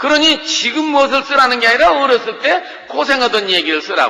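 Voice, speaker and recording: A raised, projected voice carries at a moderate pace over noticeable background noise. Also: man. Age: 60s. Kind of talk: testimony.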